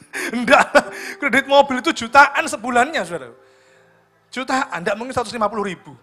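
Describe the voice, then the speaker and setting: A middle-aged man, preaching a lively sermon and joking with the congregation. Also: very high voice, normal speed. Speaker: pastor. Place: church hall. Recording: church livestream with music behind.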